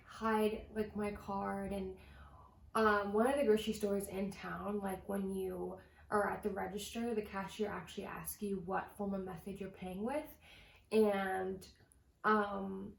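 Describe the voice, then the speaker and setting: A woman's voice: medium pitch, vocal fry. A young woman vlogger talking casually to the camera about her budget, chatty and full of "like" fillers. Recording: echoey room with faint ambient noise.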